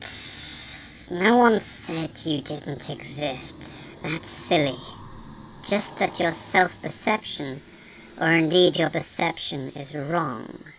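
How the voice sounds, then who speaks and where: In a put-on character voice, a man speaks very slowly at a fairly high pitch over clear background noise. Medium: read story. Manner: petulant, derisive.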